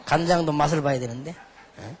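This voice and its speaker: A man's voice: fairly high pitch, brisk, slight background noise. A man from Busan with a Busan accent, preaching a sermon as a pastor in a colloquial, emphatic manner with rhetorical questions. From Busan, South Korea. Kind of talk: sermon with personal anecdotes.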